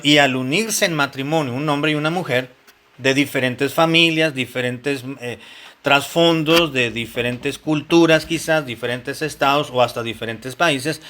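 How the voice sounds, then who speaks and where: Male pastor, bright forceful tone, chatty sermon delivery with questions to the room. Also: mid-range voice. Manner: conversational preaching with questions to the congregation and frequent repetitions. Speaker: pastor teaching a Bible study. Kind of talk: sermon-style Bible teaching to married couples.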